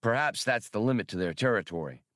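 A gruff male adventurer, played by an audiobook narrator, low in pitch and recorded dry. He speaks in short, matter-of-fact observations, like a practical member of a travelling band. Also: expressive, quick pace, fairly bright tone, no echo. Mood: thoughtful. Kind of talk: audiobook character voice.

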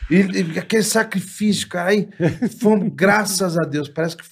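A man's voice: high-pitched, normal speed, breathy edge. A Brazilian-accented man, a singer, telling funny stories in a casual chat, laughing and acting out the people in them. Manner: animated, laughing, acts out the people in his stories. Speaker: singer and guest.

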